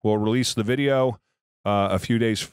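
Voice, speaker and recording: A man's voice: fairly low pitch, normal speed, clear, resonant tone, no echo. A man hosting a casual podcast interview, blunt and freely swearing, speaking into a close podcast microphone. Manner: blunt, profane. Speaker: podcast host.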